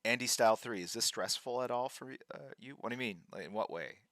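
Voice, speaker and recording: A man in his fifties hosting a livestream, chatting casually while drawing and reading out viewer names in a halting, thinking-aloud way. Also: mid-range voice, a bit bright, dry recording, studio quality. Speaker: livestream host.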